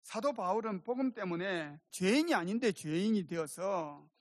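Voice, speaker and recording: Lively, emphatic Korean-language pastor preaching. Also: medium pitch, moderate pace, no room sound, clean studio sound. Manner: emphatic preaching with calls for amen; addresses the congregation directly. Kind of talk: sermon.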